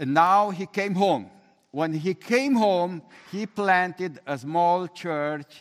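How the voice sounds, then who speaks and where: Very slowly, a man speaks with a Romanian accent and ordinary pitch variation. The recording is very clean, with a silent background. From Romania, Transylvania. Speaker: medical missionary doctor. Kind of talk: testimony. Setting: stage with audience.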